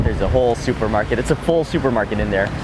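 Against noticeable background noise, a man speaks with ordinary pitch variation in a dry sound with no echo. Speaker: travel vlogger. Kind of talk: casual vlog chat. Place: street.

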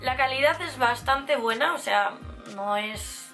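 A woman talks with ordinary pitch variation. Faint music plays in the background. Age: 20s. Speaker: fashion YouTuber. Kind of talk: casual talk to camera. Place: home room.

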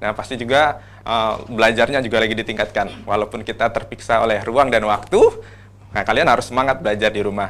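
A man speaks very fast, his intonation staying fairly even. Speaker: high school history teacher. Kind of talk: radio lesson. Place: studio.

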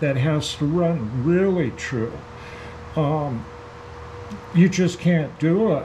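Light background noise sits behind a man who takes long, frequent pauses. His pitch variation is ordinary. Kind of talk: casual explanatory workshop talk. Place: garage. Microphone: phone near.

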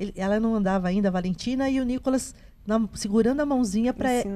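Noticeable background noise sits behind a woman with a fairly high pitch. She talks at a very fast pace with lively intonation. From Greater São Paulo, Brazil. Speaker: mother of blind football fan; guest. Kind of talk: interview. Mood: warm, emotional. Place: studio. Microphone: handheld.

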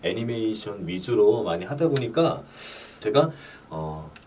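A man's pitch swings very widely over light background noise. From Korea. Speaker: voice actor. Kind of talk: interview answer. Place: meeting room.

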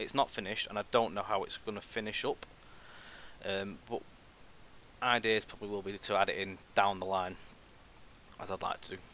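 A man speaks in a plain, everyday voice, fairly low in pitch and at a fairly quick pace. Light background noise can be heard, and the sound is dry with no echo. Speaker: streamer. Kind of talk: live stream commentary. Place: home room. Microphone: headset.

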